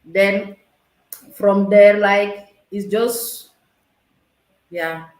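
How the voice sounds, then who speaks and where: Female guest, hesitant, restarts often, middle pitch, roomy sound. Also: fairly even intonation, extremely slow, a little mellow. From Senegal. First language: French. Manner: hesitant and searching for words, many restarts. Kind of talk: conversational interview over a live stream. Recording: echoey room.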